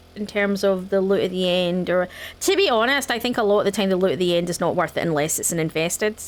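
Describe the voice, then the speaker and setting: Relaxed, fairly quick speech from a woman at medium pitch, with ordinary pitch variation. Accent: Scottish. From Scotland. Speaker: gamer. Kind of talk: casual gaming commentary. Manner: chatty, relaxed.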